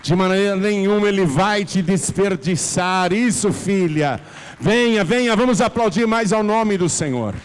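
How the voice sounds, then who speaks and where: A Brazilian man preaching as a pastor, moving between soft pleading and loud, fervent calls to come forward. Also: high voice, expressive, a little slow, smooth, a faint crowd. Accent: Brazilian Portuguese. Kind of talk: preaching a sermon with an altar call. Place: large church hall. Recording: reverberant church hall.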